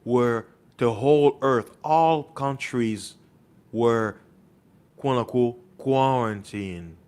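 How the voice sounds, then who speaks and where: A man's voice: mid-range voice, extremely slow, darkish tone, clean tone. A man delivering an impassioned monologue as an online preacher, insistent and full of rhetorical questions, repeating words for emphasis.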